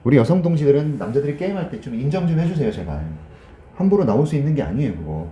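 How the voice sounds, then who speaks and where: Male teacher, lively classroom lecturer who banters and quizzes students; warm dark voice, roomy echo. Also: mid-range voice, very fast, slight background noise. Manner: jokey, teasing, quizzes students in casual speech. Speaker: English grammar teacher.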